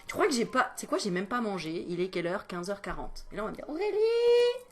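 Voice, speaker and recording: A woman's voice: medium pitch, animated, fast talker. A woman energy healer chatting through spiritual advice at home, digressing often and adding joking asides. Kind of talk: casual spiritual advice vlog.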